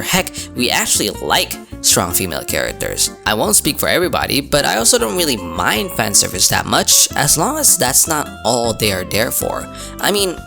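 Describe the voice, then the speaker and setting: Animated, creaky-voiced commentator over music. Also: mid-range voice. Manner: crude, slangy, jokey delivery with frequent swearing. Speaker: anime and manga video commentator. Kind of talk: casual scripted video essay commentary.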